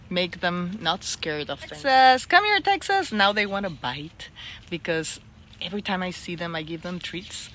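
A woman's voice: fairly low pitch, a bit bright, slight background noise. Chatty woman. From Mexico. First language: Spanish. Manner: chatty, self-deprecating, coaxing with animals. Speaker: vlogger and TV talk show host. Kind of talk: casual chat to camera. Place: outdoors at a small ranch.

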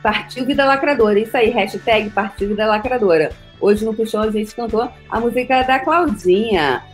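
A woman with a Brazilian Portuguese accent hosting a motivational live-stream talk, energetic and coaxing, fond of repeating phrases like a mantra. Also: medium pitch, brisk, faint music behind. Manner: speaks intimately to the listener. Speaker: host.

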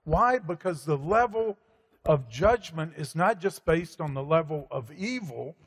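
A man's voice: a little high, expressive, unhurried, slightly rough. Preachy guy talking emphatically, lots of uhs, bit of hall echo. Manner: emphatic, preacherly, many fillers. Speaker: guest speaker. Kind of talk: conversational preaching. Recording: hall reverb.

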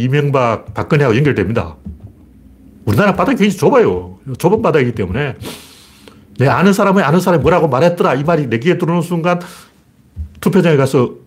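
Husky man with a blunt, lively delivery. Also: fairly high pitch. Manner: blunt, rambling storyteller. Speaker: host of a political talk show. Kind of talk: casual political monologue.

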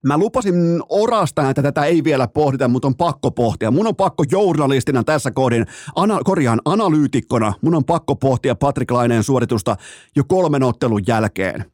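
A man hosting a sports podcast, ranting in a mock-outraged comic way and shouting out quoted commands. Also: medium pitch, lively intonation, no echo, studio quality. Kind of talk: comedic sports podcast rant.

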